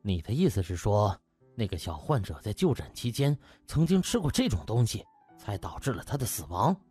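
A man voicing a cautious, stern senior hospital official with measured, guarded speech in an audiobook. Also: lowish voice, sing-song, a little mellow, husky, faint music behind. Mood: grave.

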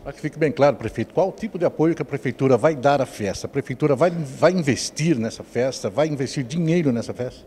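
A man's voice: mid-range voice, fast talker, hardly any pauses, a little mellow. A man with a Brazilian accent working as a TV reporter, putting questions to interviewees. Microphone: handheld interview microphone. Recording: echoey room with faint noise.

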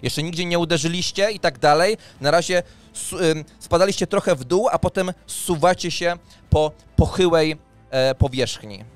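A man's voice: fairly high pitch, moderate pace. A man in his thirties works as game master, narrating a role-playing session into a close microphone. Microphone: close studio microphone on a boom arm, headphones. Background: faint background music.

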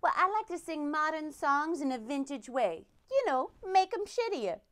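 A woman's voice: high voice, sing-song, normal speed, a bit bright. A woman playing a brash, self-satisfied rockabilly burlesque hostess with showy emcee patter in a comedy monologue. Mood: showy, smug.

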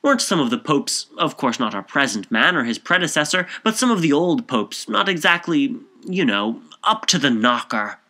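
A man's voice: on the high side, very animated, moderate pace, hardly any pauses, bright, forceful tone, voice pushed up. A man voicing an earnest, opinionated middle-aged man in an audiobook, talking in a colloquial, exclamatory way. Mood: hesitant, probing.

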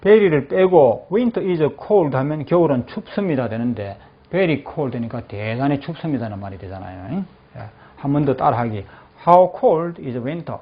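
A male English teacher in a classroom, saying phrases slowly and then explaining them, often checking that the class follows. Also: mid-range voice, expressive, a little hiss or hum. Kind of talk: classroom lecture with repeat-after-me drills. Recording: dull lo-fi classroom recording.

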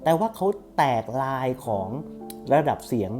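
A man's voice: mid-range voice, very animated, moderate pace, over music. A man hosting a casual step-by-step tutorial, instructing politely and repeating steps as he goes. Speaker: tutorial host for screen reader users.

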